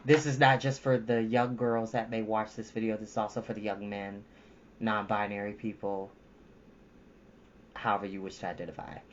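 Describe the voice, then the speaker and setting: A woman's voice: a bass voice, flat delivery, normal speed, dull audio, slight background noise. A woman talking casually to her viewers as a storytime host, in an informal, emphatic, encouraging way.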